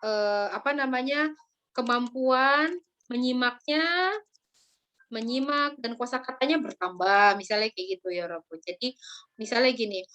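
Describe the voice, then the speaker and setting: A woman teaching a language class, chatty, with many drawn-out fillers, calling on her students by name. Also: a little high, sharp tone. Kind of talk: online class lecture.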